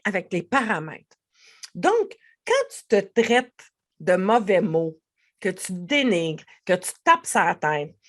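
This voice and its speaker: A woman with a Québécois French accent, a life coach giving a podcast monologue and speaking straight to the listener. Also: medium pitch. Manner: animated, speaks directly to the listener.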